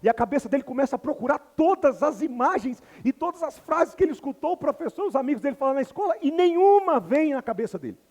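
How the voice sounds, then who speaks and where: A man's voice: very high voice, quick pace, few pauses, in a large hall. A man from Brazil teaching English to a live audience, telling stories animatedly and acting out the people in them. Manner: animated storytelling, acts out characters. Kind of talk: lively lecture with acted anecdotes.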